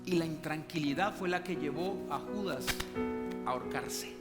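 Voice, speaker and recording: High-voiced preaching man in a reverberant church. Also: moderate pace. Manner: preaching with emphatic rises and hushed drops. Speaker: pastor. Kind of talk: sermon. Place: church hall. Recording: long church reverb with music beneath. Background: soft instrumental music.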